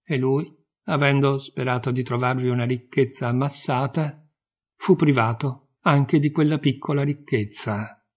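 A man reading fables aloud in a calm, measured storytelling manner. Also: mid-range voice, slightly rough. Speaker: reader of fables. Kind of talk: audiobook fable narration.

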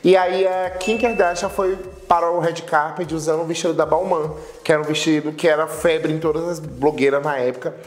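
In an echoey indoor studio with a sofa, a young man from Salvador, Bahia, sits as an interview guest, an internet personality in his twenties with a strong Bahian Portuguese accent. His voice runs on the high side and fairly quick, with hardly any pauses, as he tells stories animatedly and gestures with his hands. There's slight background noise.

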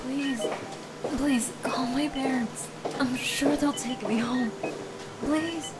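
A woman's voice: high-pitched, steady tone, slow pace, very noisy. A woman playing a timid, desperate young patient in an audio drama, pleading hesitantly.

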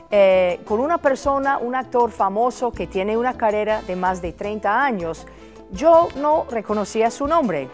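American woman hosting in Spanish. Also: mid-range voice. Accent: American English. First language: English. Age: 50s. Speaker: host. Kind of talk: TV interview show. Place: indoor studio set, armchair. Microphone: lapel.

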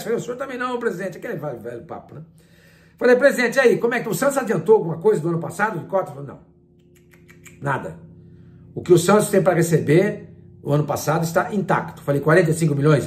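An older man, commenting on football in a casual, animated way and retelling his conversations. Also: high voice. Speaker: sports journalist and commentator. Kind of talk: casual talk-to-camera commentary.

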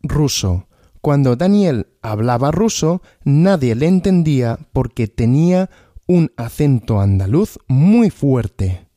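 Male language-podcast host, slow question-and-answer teaching, animated pitch, dry studio sound. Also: no echo. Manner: asks questions and answers them himself, repeating.

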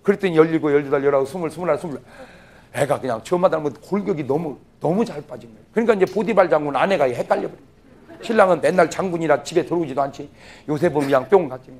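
A male pastor giving a humorous, animated revival sermon. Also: on the high side, fast. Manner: animated, joking, acts out scenes.

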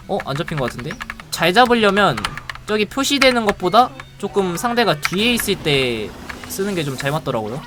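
Excitable gamer with a lively pitch. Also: background noise. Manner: excitable, playful, quick reactions and laughter. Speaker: game streamer. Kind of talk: live gameplay commentary.

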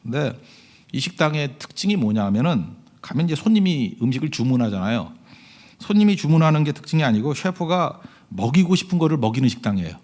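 A male pastor giving a conversational sermon. He tells stories, keeps asking the congregation to agree, and swings from loud emphasis to hushed asides. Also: mid-range voice, big pitch swings, brisk. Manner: conversational storytelling, often asking the congregation "right?".

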